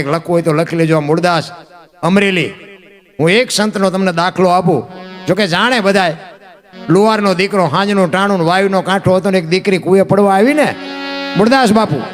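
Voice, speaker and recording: A man from Gujarat, telling devotional folk stories in a rhythmic, repeating way. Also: high-pitched. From Gujarat, India. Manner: rhythmic, repeats phrases for emphasis, addresses listeners as bapu. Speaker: folk storyteller.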